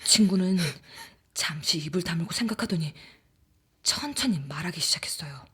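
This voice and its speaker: A woman playing a frightened young woman who recounts a ghost story in a hushed, confiding, suspenseful way. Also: lowish voice, animated, normal speed, slightly rough, heavily acted. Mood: grim suspense. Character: frightened young woman recounting her haunted rented room. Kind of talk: dramatic first-person horror audiobook narration.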